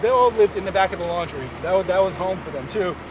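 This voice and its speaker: A man talks at a very fast pace with a New York accent and ordinary pitch variation. Noticeable background noise runs behind him. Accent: New York City English. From US Northeast, Queens, New York City. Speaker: playwright and performer. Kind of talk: oral history interview mixed with memoir monologue. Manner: casual with many fillers and repeats.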